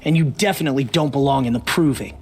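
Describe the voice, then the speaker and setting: Actor as sneering young tribal bully. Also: male voice, medium pitch, fast talker, a little mellow, close to an everyday voice. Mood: mocking. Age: young adult. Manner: sneering, mocking. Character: arrogant young tribal bully, taunting and boastful. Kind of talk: video game voice acting.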